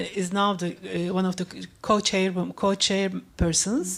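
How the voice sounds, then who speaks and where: This woman has a Turkish accent and a medium pitch. She speaks at a fairly slow pace. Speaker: feminist activist and journalist. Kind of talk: panel discussion. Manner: halting, many false starts.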